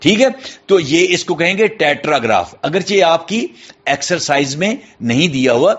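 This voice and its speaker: A man's voice: fairly high pitch, lively intonation. Urdu-accented male teacher spelling out words. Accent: Pakistani Urdu. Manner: spells words out letter by letter, repeats key points. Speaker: English teacher. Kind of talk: classroom lesson explanation. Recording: dull, muffled lo-fi sound.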